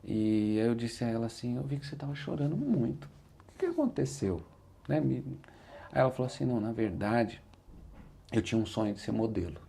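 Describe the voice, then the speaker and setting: A man's voice: medium pitch, big pitch swings, a little fast, gravelly, warm tone, slight background noise. A man with a Brazilian Portuguese accent, an interview guest and motivational speaker, telling his story in an earnest, reflective way. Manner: earnest, repeats "said like this" when quoting himself.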